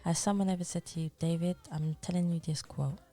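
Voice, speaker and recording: A woman's voice: lowish voice, fairly even intonation, fast talker, warm tone, soft background music. A woman hosting a podcast interview, teasing and playful as she asks questions. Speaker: podcast host.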